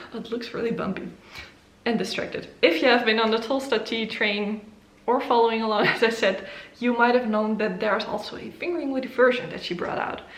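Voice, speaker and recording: A woman with a non-native accent talks at a fairly quick pace and fairly high pitch, her intonation fairly even. Audible room echo and noticeable background noise fill the recording. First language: not English. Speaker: knitting podcaster. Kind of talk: casual chat. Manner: rambling, hesitant with fillers.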